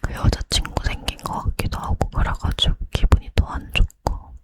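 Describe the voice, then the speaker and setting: A woman doing a whispered role-play as a chatty, boy-crazy young woman getting ready to go out, leaning in to whisper in a breathy hush. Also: moderate pace, lightly acted. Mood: chatty, determined. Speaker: ASMR creator.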